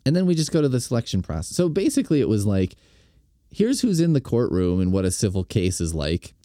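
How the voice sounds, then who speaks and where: A man's voice: on the low side, big pitch swings, a little fast, dark tone. A man hosting a podcast, giving rambling, sarcastic and profane commentary on a video. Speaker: podcast host.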